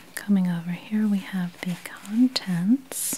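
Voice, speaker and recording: The speaker is soft-spoken. Light background noise is present. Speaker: presenter. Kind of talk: tutorial. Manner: soft, quiet ASMR narration.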